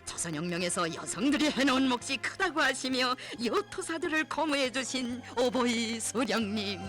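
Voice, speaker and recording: Casting: male narrator, North Korean accent, extremely high voice, reverent declamatory propaganda read over clear music. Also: expressive, moderate pace. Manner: reverent, solemn, emotive declamation. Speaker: documentary narrator. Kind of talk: scripted propaganda film narration.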